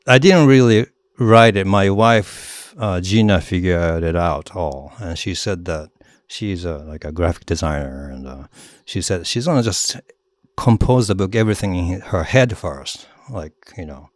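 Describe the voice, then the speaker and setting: A middle-aged Japanese man with a Japanese accent, a guest author chatting in an interview, animated and laughing often as he demonstrates voices. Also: sits low, measured pace, no room sound, clean studio sound. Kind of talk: casual interview talk.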